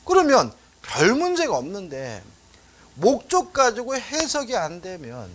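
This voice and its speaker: Middle-aged male lecturer, lively pitch, chatty teaching with rhetorical questions. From Seoul, South Korea. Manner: chatty, asks rhetorical questions, tells anecdotes. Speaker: law lecturer. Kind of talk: exam-prep lecture.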